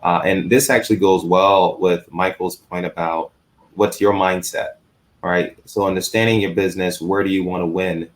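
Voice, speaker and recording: A man on an investor panel, speaking haltingly with frequent restarts. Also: low voice, steady tone. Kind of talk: panel discussion.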